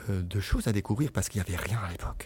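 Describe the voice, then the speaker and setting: A man speaks with an Italian accent. His voice is somewhat breathy, with a dark, mellow tone. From Italy, Naples. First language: Italian (speaking French). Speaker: veterinary anesthesiologist. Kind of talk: interview. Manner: halting.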